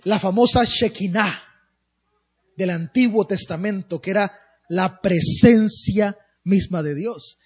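Casting: predicador de tono muy alto, frases largas y dramáticas, audio opaco de baja calidad. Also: male voice, high-pitched, slightly rough, lo-fi sound. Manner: dramatic, drawn-out phrases and emphatic pauses. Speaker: pastor. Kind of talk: sermon.

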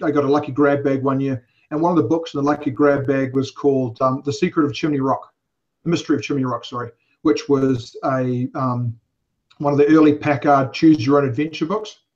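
A man in his forties, born in England and raised in New Zealand, speaks with an English accent tinged by New Zealand. A convention organizer and guest on a casual podcast, he rambles with many fillers and wry asides in a mid-range, a little mellow, fairly quick voice with fairly even intonation. The podcast audio is dull and lo-fi.

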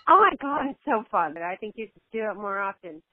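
A woman's voice: mid-range voice, expressive, brisk, husky. A woman guest on a podcast, chatting in a friendly, giggly way with hesitant fillers. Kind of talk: casual interview chat. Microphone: phone line. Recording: tinny phone line.

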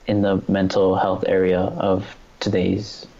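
A man's voice: sits low, monotone, measured pace, vocal fry, warm tone, dull audio. A man from New York, a photographer, talking earnestly as a guest in a casual conversation, with lots of "like" and "you know".

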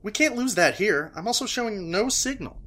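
Woman as sarcastic skeptic, sharp and bright. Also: mid-range voice, expressive. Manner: sarcastic and dismissive, quick to explain things away. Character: skeptical young character named Mike. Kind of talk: audio drama acting.

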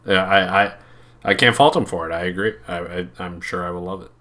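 Young guy podcast cohost, low voice but bright and forceful, playful and jokey. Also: brisk. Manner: playful, jokey, animated asides. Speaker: podcast co-host. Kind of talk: casual chat.

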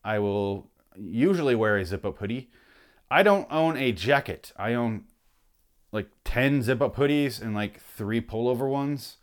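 Man, swearing comedic ranter, mock outrage, mid-range voice going hoarse. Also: mid-range voice, expressive, unhurried. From Michigan. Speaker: vlogger ranting on camera. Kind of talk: profane comedic rant.

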